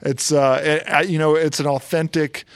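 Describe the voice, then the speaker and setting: A man's voice: fairly high pitch, level tone, normal speed, clean tone, no room sound, studio quality. A man co-hosting a car show, talking casually and rambling a little, with fillers and restarts.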